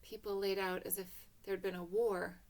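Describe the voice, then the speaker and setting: A woman's voice: medium pitch, little pitch movement, moderate pace. A woman reading a literary short story in the first person, with intense, theatrical delivery. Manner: intense, theatrical, hushed passages swelling to emotional peaks.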